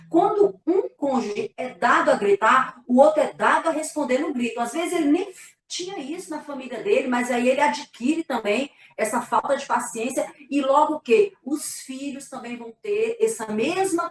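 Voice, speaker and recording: Higher-voiced woman pastor, echoey room. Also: far from the mic. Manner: earnest, explanatory, frequent "né?" tags. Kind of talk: casual church live talk.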